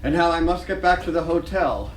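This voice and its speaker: A man's voice: on the high side, animated, a little fast, close to an everyday voice. Man acting a bored night clerk, distant and echoey. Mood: idle curiosity. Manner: idly musing, detached. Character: bored hotel night clerk lost in morbid daydreams. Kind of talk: dramatic stage reading. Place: library reading room, live reading. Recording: distant, echoey, noisy room.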